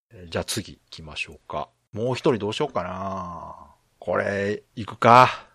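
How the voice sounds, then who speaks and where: A man talks at a moderate pace, his loudness swinging widely. The background is quiet. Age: middle-aged. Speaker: podcast co-host. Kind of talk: casual chat.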